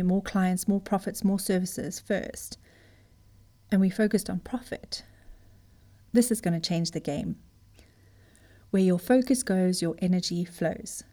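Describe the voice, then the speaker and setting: Woman business coach from Zimbabwe, warm, dark tone, earnest and emphatic motivational delivery. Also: lowish voice. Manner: earnest, emphatic, direct address. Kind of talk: motivational talk.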